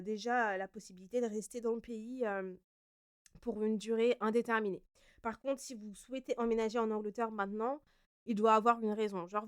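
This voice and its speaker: A young woman from France hosting her own podcast, answering listener questions in a relaxed, chatty way with frequent fillers and self-corrections. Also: mid-range voice, clean tone. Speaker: podcast host. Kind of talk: casual solo Q&A podcast.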